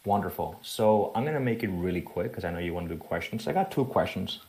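Deep, apologetic male caller raised in Spain. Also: lively intonation, fast talker, dark tone. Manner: apologetic, earnest. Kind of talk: phone call question.

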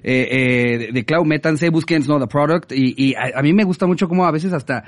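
Guy hosting a podcast, bit high voice, lots of uh's and repeats. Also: moderate pace. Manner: hesitant, many fillers and repeats. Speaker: podcast host. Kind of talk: casual podcast chat.

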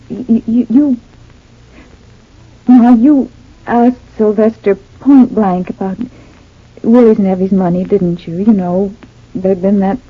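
An actress playing an earnest, hesitant grown daughter, in old radio-drama style. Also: female voice, medium pitch, close to an everyday voice. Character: troubled grown daughter of a family. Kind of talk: 1940s radio acting. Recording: tinny thin old radio recording.

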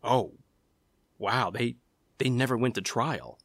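A young man in a scripted audio drama, speaking with dry, wary deadpan. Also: medium pitch, slow, no echo, full character voice.

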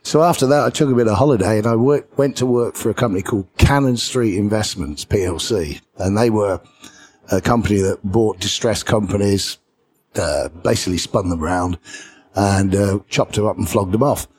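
A middle-aged man with a British English accent and a rough, husky, lowish voice. He tells his stories as an animated guest, chuckling between lines. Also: a little fast. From England. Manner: lively raconteur who chuckles between lines. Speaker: podcast guest. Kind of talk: anecdotal storytelling in an interview.

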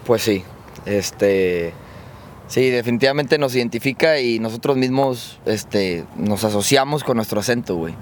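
A man with a northern Mexican accent co-hosts a podcast, chatting casually in slang and packing his speech with fillers. His medium-pitched voice is animated and unhurried, with a slightly proud air and a faint hiss or hum on the audio.

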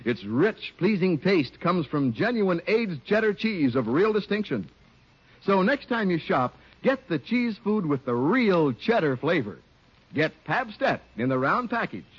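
A man's voice: sits high, big pitch swings, measured pace, slightly rough. A man announcing a scripted radio commercial, cheerful and persuasive. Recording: dull old radio broadcast.

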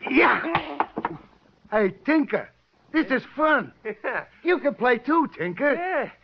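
An actor playing a dim-witted, giggling henchman in a 1950s radio drama, with a high, childish, giddy voice. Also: sing-song, takes it slowly, vocal fry, full character voice. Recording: dull old radio recording with hiss.

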